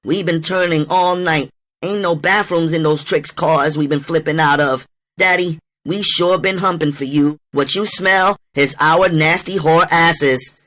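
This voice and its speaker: A woman's voice: sits low, a little slow, fairly bright tone. A woman playing a brash young street prostitute in a dramatized audiobook, speaking in an emphatic, emotional, streetwise way. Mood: wheedling. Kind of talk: dramatized audiobook character acting.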